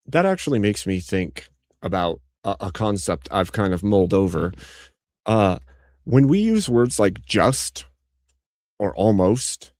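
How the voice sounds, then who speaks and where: Male host, slightly low voice, dry close sound, deadpan teasing in loose chat. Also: no room sound. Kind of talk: casual chat.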